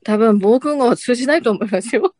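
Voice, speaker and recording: A speaker, telling tall tales deadpan in a casual podcast chat. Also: mid-range voice, fairly quick.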